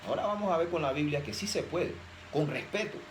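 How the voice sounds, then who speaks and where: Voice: medium pitch, expressive, brisk, slight background noise, poor audio. A preacher giving an emphatic sermon, often posing rhetorical questions to the audience.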